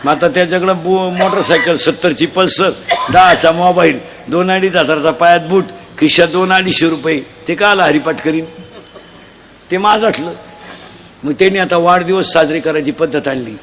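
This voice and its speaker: A man preaching a humorous devotional sermon, loudly quizzing the children in the crowd and mocking bad habits. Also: on the high side, moderate pace, noisy background. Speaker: kirtan preacher.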